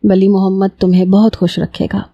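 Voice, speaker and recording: A woman voicing a calm, kindly young male lawyer with gentle, measured speech. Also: mid-range voice, no echo, dull audio, lightly acted.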